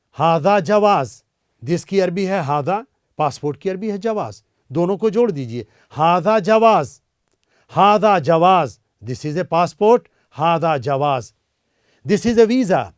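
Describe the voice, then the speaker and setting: A man teaches a beginner language lesson in a high, light voice. He drills each word slowly, again and again, for listeners to repeat. The recording is dry and close. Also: no room sound.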